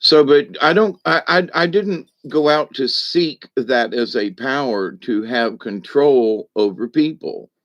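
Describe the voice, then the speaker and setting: A man's voice: mid-range voice, unhurried, hardly any pauses, a bit bright, lo-fi sound. A man hosting a livestream as a shaman, talking in a folksy, meandering way with many asides to his viewers. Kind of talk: rambling spiritual talk to viewers.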